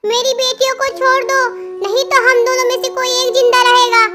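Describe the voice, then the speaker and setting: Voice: very high-pitched, little pitch movement, normal speed, bright, forceful tone. A voice actor playing a desperate, anxious mother sparrow in a cartoon. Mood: fierce. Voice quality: anxious pleading. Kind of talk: storybook cartoon voice acting. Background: music.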